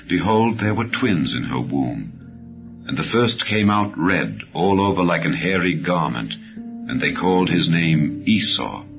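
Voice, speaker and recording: A man with a very deep voice narrates scripture for an audiobook. His delivery is solemn and measured, each phrase settling downward at its close. The sound is a little muffled, with music clearly playing underneath. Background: background music.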